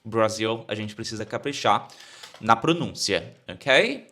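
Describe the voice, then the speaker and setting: Brazilian teacher with an animated, lively voice. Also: male voice, on the low side. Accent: Brazilian Portuguese. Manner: repeats phrases slowly for learners to copy. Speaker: English teacher. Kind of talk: explaining an English lesson.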